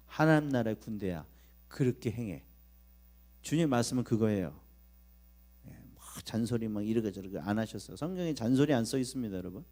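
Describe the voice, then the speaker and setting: A man's voice: fairly low pitch, darkish tone. A man preaching a sermon at a church prayer service, emphatic, often calling for amen and acting out inner voices. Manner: emphatic, repeatedly asking the congregation for amen; acts out quoted inner voices in first person. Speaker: pastor. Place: church sanctuary. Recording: mains hum behind the voice.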